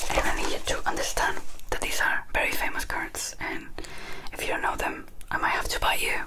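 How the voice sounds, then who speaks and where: A woman at a moderate pace under loud background noise. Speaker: video creator. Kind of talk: soft role-play chat to the viewer. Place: home room.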